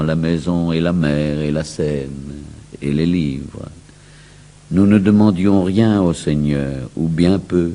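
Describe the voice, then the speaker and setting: A man reciting verse in a grave, declamatory, solemn dramatic style with a husky voice. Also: deep voice, warm tone. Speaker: poetry reciter.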